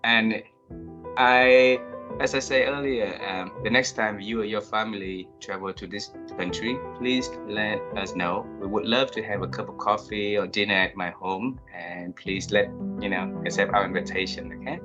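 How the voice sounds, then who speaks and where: A man hosting an interview, effusive and courteous, with halting, repeated phrasing. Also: lowish voice, steady tone, dull audio, music in the background. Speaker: podcast host.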